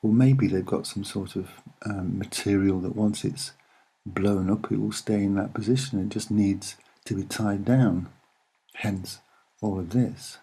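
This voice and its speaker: Slow, soft-spoken man, low and husky. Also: steady tone. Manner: hesitant, musing, conspiratorial explaining. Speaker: video narrator. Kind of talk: casual soft-spoken commentary over images.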